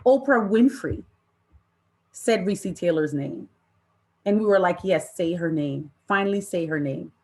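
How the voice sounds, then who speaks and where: A woman's voice: lowish voice, animated, warm tone. Emphatic woman leading a workshop. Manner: emphatic, deliberate, with rhetorical questions and repetition. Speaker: presenter leading a training session. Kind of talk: impassioned interactive workshop talk to an online audience.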